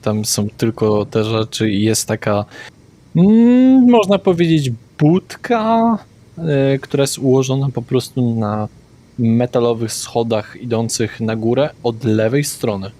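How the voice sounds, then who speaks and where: Male game master, measured with pauses. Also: mid-range voice, lively intonation, dark tone. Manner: deliberate, describes scenes with pauses and fillers. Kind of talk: running a tabletop vampire game.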